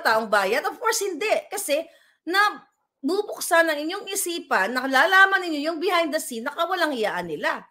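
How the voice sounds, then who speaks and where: Woman vlogger, high voice, combative and scornful, ranting from home. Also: bright, forceful tone. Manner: combative, scornful, code-switching with English. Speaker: political vlogger. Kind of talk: casual political rant.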